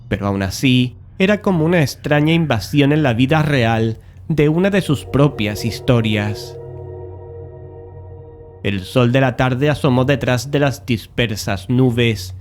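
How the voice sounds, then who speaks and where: Male narrator, mid-range voice, scripted gothic horror storytelling, audiobook, faint music behind. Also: medium pitch.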